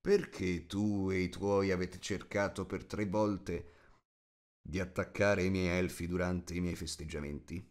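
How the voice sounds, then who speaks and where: A man voicing a severe, imperious elven king in an audiobook, slow and commanding. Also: low voice, flat delivery. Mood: stern, questioning. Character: stern, imperious elven king interrogating a captive.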